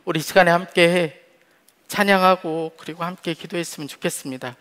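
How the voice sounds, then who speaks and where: A man in his forties preaches from a church stage with a noticeably high voice. He is earnest and heartfelt, pressing some words hard and letting others drop soft. His voice rings out into a long hall reverb. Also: fairly even intonation, brisk. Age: 40s. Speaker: pastor. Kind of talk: sermon. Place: church stage behind a podium. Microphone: headset mic.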